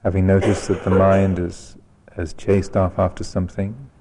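A man teaching a guided meditation in a calm, gentle, unhurried way, leaving long pauses between phrases. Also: low voice, a little hiss or hum.

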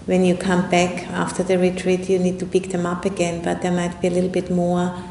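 A woman giving a guided meditation talk as a meditation teacher, speaking in an unhurried, reflective way with long pauses. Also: monotone, creaky, a little mellow. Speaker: Buddhist nun and meditation teacher. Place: indoor room at a retreat center. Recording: roomy echo, faint rumbling background noise.

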